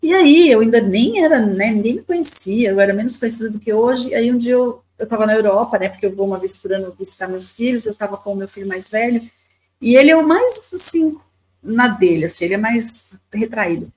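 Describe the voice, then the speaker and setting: The recording is rough, but the voice comes through fairly high, brisk, expressive and darkish. It belongs to a Brazilian woman in her fifties, a YouTuber and lawyer, who tells stories chattily as a podcast guest, repeating words and adding tag questions.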